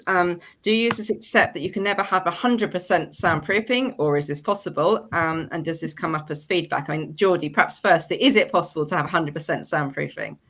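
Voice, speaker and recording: Woman, webinar moderator, very low voice, informal questioning, tentative rambling phrasing. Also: a bit bright.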